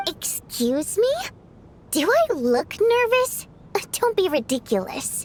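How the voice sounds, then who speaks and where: Woman's put-on character voice at an extremely high pitch with very wide pitch swings, fairly slow with long, frequent pauses, over clear background noise. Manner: defensive, indignant, shaky.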